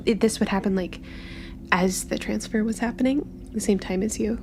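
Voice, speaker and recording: A woman playing a curious, confident young tinkerer in a tabletop game, chatting breezily in halting improvised phrases. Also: medium pitch, fairly even intonation, noisy background, natural voice. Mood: curious, absorbed. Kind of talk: improvised tabletop roleplay, casual.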